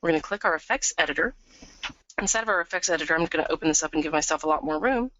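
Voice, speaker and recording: A woman presenting a live software tutorial webinar, upbeat and chatty, a bit sniffly from a cold. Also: deep voice, racing, no room sound. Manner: upbeat, chatty, lots of "we're gonna". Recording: dull, dry lo-fi webinar audio.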